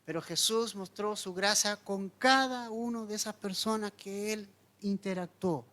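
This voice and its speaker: A man preaching a sermon as pastor, telling the story dramatically with wide swings between loud emphasis and hushed lines. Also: sits high, a little slow. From Chile.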